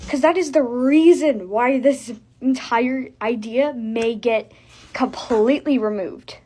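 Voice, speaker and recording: A woman with a high voice delivers an earnest appeal as a fan. She is emphatic and admonishing, hammering her points through repetition. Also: slow, mellow, slightly rough. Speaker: fan making an appeal to other fans. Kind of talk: earnest public service plea to camera.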